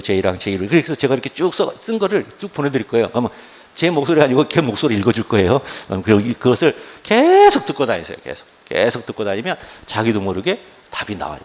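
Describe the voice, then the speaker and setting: Lively male law lecturer. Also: on the low side. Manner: lively, acts out students' grumbles in asides. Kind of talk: classroom lecture.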